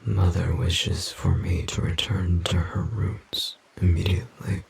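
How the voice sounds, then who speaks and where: A man playing a grave, protective yet naively curious forest demon in an audio roleplay, speaking formally and haltingly with a breathy, gravelly rasp. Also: low voice, flat delivery, whispered, exaggerated voice. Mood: stern, pensive. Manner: slow, formal, halting, pensive.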